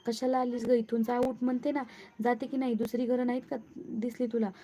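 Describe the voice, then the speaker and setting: A woman's voice: on the high side, little pitch movement, a little fast, dark tone, slight background noise, natural voice. A woman voicing a proud, haughty queen who orders people about with contempt. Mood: contemptuous. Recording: muffled lo-fi recording.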